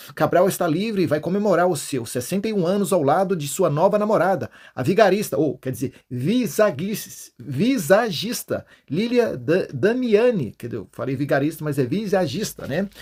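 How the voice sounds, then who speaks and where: Very wide pitch swings at a moderate pace with hardly any pauses, on a very clean recording with a silent background. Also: man, high pitch for a man. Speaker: political commentary youtuber. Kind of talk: political commentary vlog.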